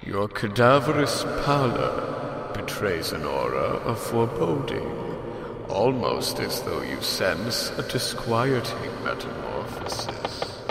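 A theatrical ghost host in an audio drama, gravelly and low, drawing out every word at a crawl with a wildly rising and falling tone. He stays gloating and mock-courteous while his voice booms through a cavernous hall over a bed of steady background ambience. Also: heavily acted. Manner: slow, gloating and mock-courteous, with eerie laughs. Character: sinister, theatrical ghost host of a haunted mansion. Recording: cavernous reverb with ambient noise.

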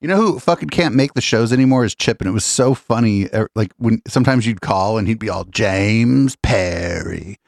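A man's voice: mid-range voice, fast, hardly any pauses, darkish tone, no room sound, clean studio sound. A man hosting a podcast interview, chatting loosely with restarts and casual swearing. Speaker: podcast host.

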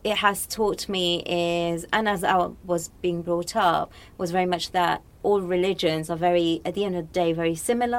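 A woman from Morocco talking casually and reflectively as an interview guest. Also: fairly low pitch.

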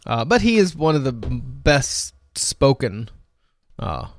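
A man's voice: mid-range voice, sing-song, slow, no echo. A man hosting a show with casual, wry, colloquial commentary. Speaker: show host.

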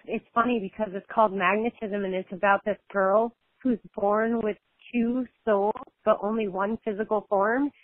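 A woman calling in as a podcast guest, her voice squeezed through a tinny phone line. She talks in a friendly, giggly way, pausing with ums and likes. The sound is dry, with no room around it. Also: mid-range voice, no echo. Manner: giggly, friendly, with hesitant fillers. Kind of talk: casual interview chat.

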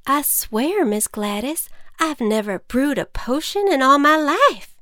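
A woman voicing a polite, gentle farm wife who has fallen ill, in a children's storybook. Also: high-pitched, lively intonation, a little slow, dry recording, clean studio sound, voice pushed up, heavily acted.

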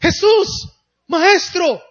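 Un hombre haciendo de discípulo impulsivo y eufórico. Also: male voice, very high voice, drawn-out words, fairly bright tone, muffled recording, pitched above the performer's own voice, full character voice. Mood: excited. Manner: eager, raised exclamations. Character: excitable impulsive disciple, adult man, childlike joy.

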